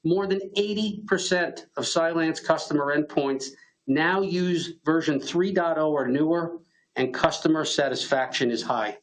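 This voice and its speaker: Higher-pitched man reading corporate results. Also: a little slow, rough recording. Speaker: company executive presenting results. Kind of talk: scripted earnings call presentation.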